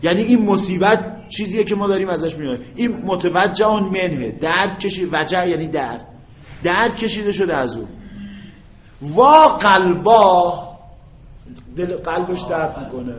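A man teaching Arabic grammar in a classroom lecture, stretching out his example phrases in a slow, drawn-out chant and checking often whether his students follow. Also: lively intonation, a little hiss or hum. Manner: checks understanding with quick questions to students. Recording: echoey, dull low-fi classroom recording.

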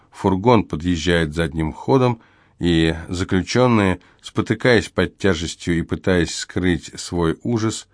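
Male audiobook narrator, low and grave, measured read, dry studio sound. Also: dry recording. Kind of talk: scripted narration.

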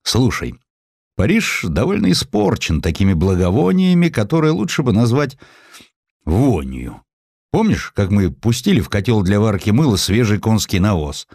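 A man's voice: lowish voice, sing-song, normal speed, gravelly, darkish tone, breathy edge, no room sound, studio quality, voice pushed up, full character voice. Man playing an emphatic, earthy old Parisian soap-maker. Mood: emphatic, paternal. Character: gruff, earthy old Parisian soap-maker father advising his son.

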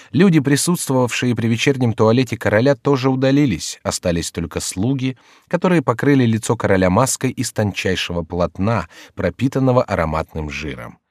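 A man narrating a classic novel in a measured, even storytelling manner for an audiobook. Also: lowish voice, dry recording, clean studio sound. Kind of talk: scripted literary narration. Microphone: close studio mic.

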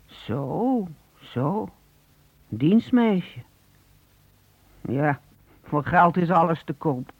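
A woman's voice: sits low, animated, no echo, heavily acted. An actress playing a poor, grateful old woman chatting hesitantly in a radio play. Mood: wistful. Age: older. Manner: hesitant, halting, chuckling. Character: poor, grateful, chatty old mother-in-law at a phone booth. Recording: narrow telephone-like old radio recording.

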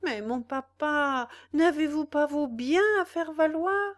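Spoiled, wheedling young woman, pitched high and bright, read by a woman. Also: slow. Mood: coaxing. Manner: wheedling yet commanding. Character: sly, spoiled young woman, petulant and coaxing.

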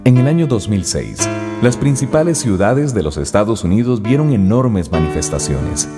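A man's voice: lowish voice, big pitch swings, moderate pace, over music. A man giving solemn, rhetorical scripted narration.

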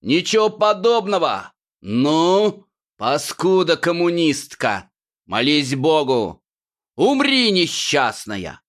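A male reader playing a furious bourgeois bridegroom, a ham stage villain shouting threats. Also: on the high side, very animated, takes it slowly, pitched above the performer's own voice, heavily acted. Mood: furious, threatening.

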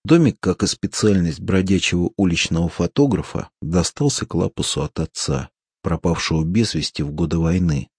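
An audiobook narrator with a deep, husky male voice tells a scripted story in a steady, measured way. The recording is dry and of studio quality.

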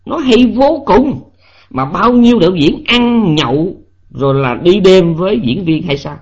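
A man's voice: high voice, expressive, measured pace, husky. A man with a Southern Vietnamese accent giving a Buddhist dharma lecture, emphatic and scolding, firing off rhetorical questions. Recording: lo-fi online voice chat audio.

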